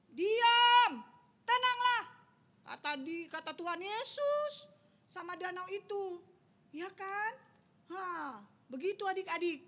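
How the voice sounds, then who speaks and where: A young woman, telling a Bible story to children as a Sunday school teacher and quizzing them as she goes. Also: very high-pitched. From Indonesia. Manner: lively, keeps quizzing the children.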